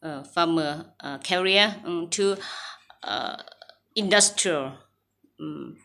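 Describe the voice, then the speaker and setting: A woman in her forties with a Thai accent, talking haltingly to camera in English, with many fillers and restarts. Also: low-pitched, gravelly, fairly bright tone. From Thailand. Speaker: vlogger. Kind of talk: casual talk to camera. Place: small room indoors.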